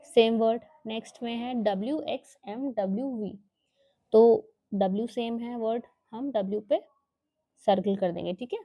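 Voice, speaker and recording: A woman's voice: a little high, moderate pace, mellow, no echo. A woman teaching children a workbook lesson, explaining each step patiently and often checking with okay, with an Indian English accent.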